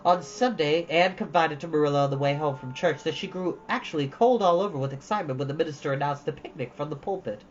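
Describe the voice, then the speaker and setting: A woman reading a children's classic aloud as an expressive storybook narrator. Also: sits low, quick pace, few pauses. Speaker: storytime reader. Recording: dull, lo-fi, faint background noise.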